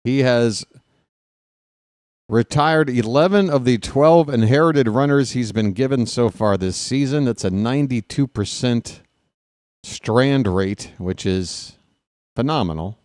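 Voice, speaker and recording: A man in his late forties calls a ballgame for his own fan channel, drifting from plain pitch-by-pitch calls into sarcastic grumbling and loud rants. His voice is smooth and full, sitting in an ordinary middle register, and it sounds close and dry with no room around it. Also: a little slow, dry recording. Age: 40s. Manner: wry, sarcastic asides and grumbling between calls; gets loud and animated when ranting. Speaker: fan play-by-play broadcaster. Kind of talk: casual live play-by-play with rambling commentary.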